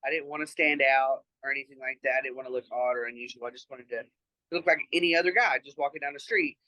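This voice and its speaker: Trans man, interview guest; bright tone, dry close sound, talks in an earnest, reflective way. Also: mid-range voice, quick pace, dry recording, dull audio. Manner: earnest, reflective, with frequent fillers. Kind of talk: casual conversational interview.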